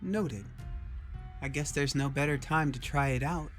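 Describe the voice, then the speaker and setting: A man's voice: a little high, a little slow, soft background music, lightly acted. A man voicing a composed, inquisitive female doctor with a questioning, matter-of-fact manner in a narrated sci-fi story. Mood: resolved.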